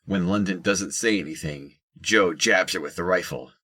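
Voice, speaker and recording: A man's voice: low voice, moderate pace, bright, forceful tone, husky, no echo. A man reading scripted third-person narration for an audio drama.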